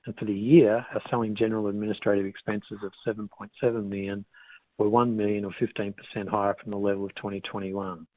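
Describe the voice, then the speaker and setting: Male finance executive, flat and lowish delivery, formal scripted investor-call read. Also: quick pace. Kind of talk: scripted earnings call presentation. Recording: boxy phone-like line with room echo.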